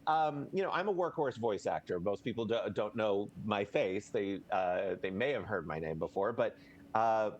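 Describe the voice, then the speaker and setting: A man chatting casually as an interview guest on a video call, in an animated, self-effacing way. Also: lowish voice, normal speed, lo-fi sound, a little hiss or hum. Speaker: guest, voice actor.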